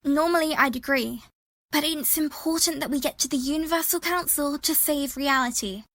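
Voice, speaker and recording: Woman playing an earnest, bright, high-voiced young schemer. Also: normal speed, dry recording. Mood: determined. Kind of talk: audio drama dialogue.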